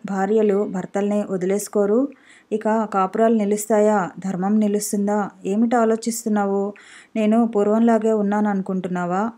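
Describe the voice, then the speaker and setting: Brief: woman reading as a smooth, coaxing husband in an audiobook, mellow warm tone. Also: mid-range voice, lightly acted. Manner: persuasive, coaxing. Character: smooth-talking estranged husband, young man, coaxing.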